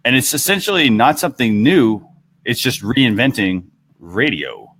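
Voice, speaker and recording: A man's voice: medium pitch, big pitch swings, moderate pace, fairly bright tone, no room sound. A man co-hosting a casual panel discussion in an agreeable, conversational way. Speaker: talk show co-host.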